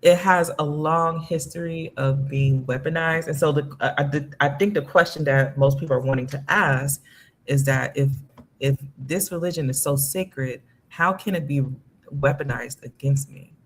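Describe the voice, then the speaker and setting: A guest in a live online discussion who speaks in a measured, hesitant way and often restarts sentences. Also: medium pitch.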